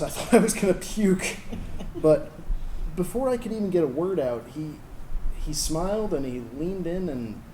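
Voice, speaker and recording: Earnest young gay man, acted by a man, lightish pitch, soft-toned, tender stage storytelling. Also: slight background noise, close to an everyday voice, rough recording. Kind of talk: dramatic monologue in a staged reading.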